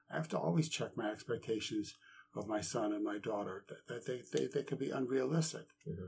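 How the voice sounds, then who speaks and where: At a fairly quick pace, a man talks in a somewhat breathy voice at a medium pitch. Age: 70s. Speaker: pastoral care director. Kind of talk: podcast interview.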